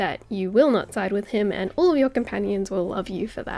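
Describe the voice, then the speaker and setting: Vocal fry runs through a woman's medium-pitched voice, which has ordinary pitch variation. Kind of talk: game guide narration. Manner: awkward, halting.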